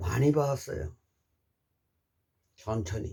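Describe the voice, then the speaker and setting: At a very slow pace, a man speaks at medium pitch in a somewhat breathy, dark, mellow tone. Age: 60s. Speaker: vlogger and amateur musician. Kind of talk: casual monologue.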